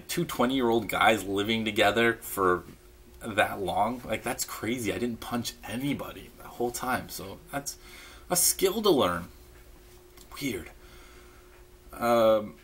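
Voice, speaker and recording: A man with a low, slightly husky voice talks to camera at home in a loose, rambling way. He trails off, restarts his sentences and fills gaps with ums while nursing a beer. The tone is easygoing and conversational throughout. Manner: relaxed, chatty, many fillers and restarts, sipping beer. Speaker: vlogger recalling mission in Japan. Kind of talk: casual rambling monologue to camera. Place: indoors at home, in pajamas.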